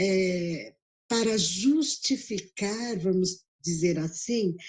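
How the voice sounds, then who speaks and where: A woman with a medium pitch and a dark, mellow, somewhat breathy tone speaks at a very slow pace. Her intonation is lively. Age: 60s. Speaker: audience member asking a question. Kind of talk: Q&A question. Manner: halting.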